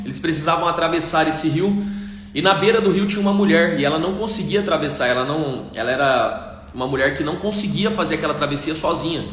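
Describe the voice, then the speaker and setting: A male pastor giving an emphatic, repetitive sermon on a live stream, speaking directly to viewers. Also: sits high. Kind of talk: livestream sermon. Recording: echoey room.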